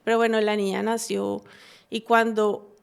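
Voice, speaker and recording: A woman tells her personal story of faith as a talk show guest. She speaks earnestly at a mid pitch, pausing often and restarting her sentences as she searches for words. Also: level tone, vocal fry, clean tone. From Colombia. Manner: halting, many fillers and restarts, earnest. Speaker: guest giving a testimony.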